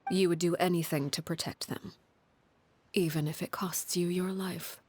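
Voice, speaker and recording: A woman voicing a stern, composed leader of a family in a video game, speaking calmly and with command in a soft, breathy way. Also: on the low side, dry recording. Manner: calm, measured and commanding.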